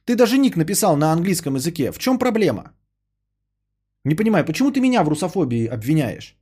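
A man's voice: fairly high pitch, sing-song, fast talker, darkish tone, slightly rough. A man, a podcaster and streamer, ranting in a sarcastic, indignant tone and swearing freely as he answers a viewer.

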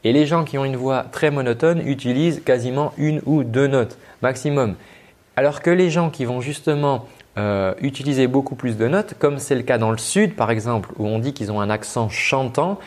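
A man working as a vocal coach, giving a spoken lesson with frequent hesitations and demonstrating flat and lively ways of speaking. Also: mid-range voice, normal speed.

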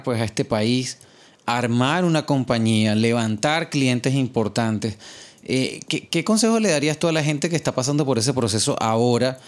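A man hosting a radio interview, hesitant, with many restarts. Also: medium pitch. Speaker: host.

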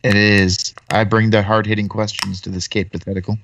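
A man's voice: on the low side, level tone, a little fast, fairly bright tone, no echo. A young man who teaches, co-hosting a podcast in casual chat with an eager, upbeat delivery.

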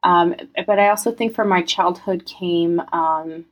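Low-voiced woman, chatty and reflective. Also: a little slow, muffled recording. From France. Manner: chatty, reflective, many fillers. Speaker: interviewee. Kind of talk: casual interview answers.

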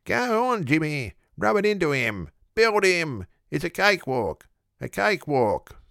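Man doing a tiny guy screaming at the horses, way higher voice. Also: sing-song, unhurried, creaky, dry recording, clean studio sound, exaggerated voice. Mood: excited. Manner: shouting. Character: excited small man yelling at the races.

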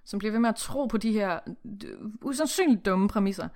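A woman's voice: mid-range voice, animated, a little mellow. A woman hosting a podcast, chatting casually, bluntly, and swearing freely, who reads passages aloud. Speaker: podcast host. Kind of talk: casual chat with reading aloud.

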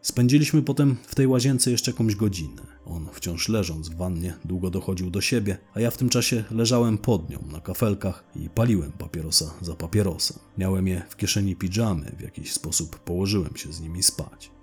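A man's voice: low-pitched, fairly quick, few pauses, a little mellow, breathy edge, soft background music. A man narrating a first-person crime story in a blunt, slangy way, swearing now and then.

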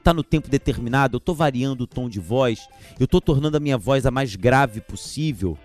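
A man hosting a podcast on teaching, lively and gesturing as he talks. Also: mid-range voice, fairly quick, soft background music. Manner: animated, gesturing while speaking, mocking teachers' verbal tics. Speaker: podcast host and teacher trainer. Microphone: podcast microphone.

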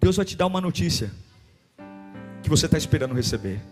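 A Brazilian man preaching a sermon, dramatic, dropping to hushed murmurs and rising to shouts. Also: fairly high pitch, sing-song, fast talker, soft background music. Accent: Brazilian Portuguese.

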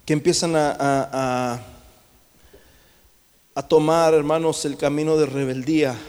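High-voiced fervent preacher in echoing church. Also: male voice, level tone, unhurried, a little mellow, smooth. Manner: fervent preaching, often addresses the congregation as brothers. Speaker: pastor. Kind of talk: sermon. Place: church sanctuary. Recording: long church hall reverb.

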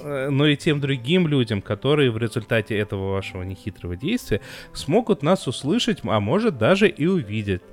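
A man hosting a podcast, wrapping up the episode with jokes and thanks, often pausing with fillers. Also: mid-range voice, sing-song, soft background music. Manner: joking, with many filler pauses. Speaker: podcast host. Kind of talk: casual podcast outro chat.

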